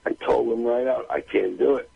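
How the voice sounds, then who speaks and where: A man's voice: medium pitch, moderate pace, creaky, breathy edge. A man calling in to a radio show over the phone as an informal talent manager, arguing insistently and repeating himself. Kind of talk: unscripted phone-in argument. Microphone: telephone. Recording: tinny narrowband phone line.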